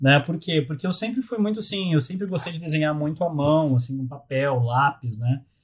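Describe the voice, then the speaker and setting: This somewhat breathy voice moves at a fairly quick pace. Its intonation is lively. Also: man, fairly high pitch for a man, hardly any pauses. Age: 40s. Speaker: game developer and illustrator. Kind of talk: interview.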